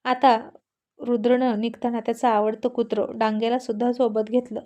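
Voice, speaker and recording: A woman reads a serialized family story aloud in an expressive, lively way. Her voice is fairly high yet warm and mellow. She carries the story along with clear, expressive storytelling. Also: moderate pace, dull audio.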